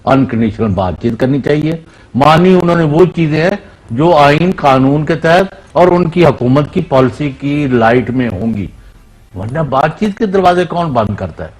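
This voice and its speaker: Man on a tv debate, bit high voice, argues his point, throws in english words. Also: lively intonation, normal speed, breathy edge, poor audio. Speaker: panel guest.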